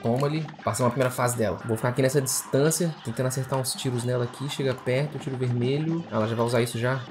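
A man with a Brazilian Portuguese accent giving excitable let's play commentary while gaming, often repeating exclamations in bursts. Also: medium pitch, racing, over music. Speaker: gamer.

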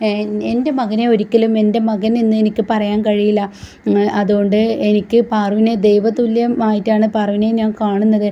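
A woman's voice: mid-range voice, flat delivery, normal speed, slight background noise, natural voice. Humble pleading birth mother, read by a woman. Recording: dull lo-fi recording.

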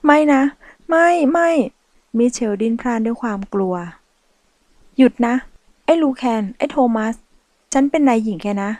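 A woman's voice: moderate pace, pauses often, warm tone, dry recording, lightly acted. A woman voicing a scheming young woman, tearful and defiant, in an audiobook reading with a raised, pressed voice. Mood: panicked. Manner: pleading and shrill, raised and pressed.

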